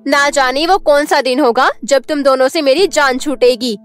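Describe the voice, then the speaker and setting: Actress as a scornful cartoon stepmother, high and sharp, scolding constantly. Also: normal speed, soft background music, close to an everyday voice. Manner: shrill, scornful, nagging. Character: scolding mean stepmother, middle-aged woman. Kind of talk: cartoon voice acting.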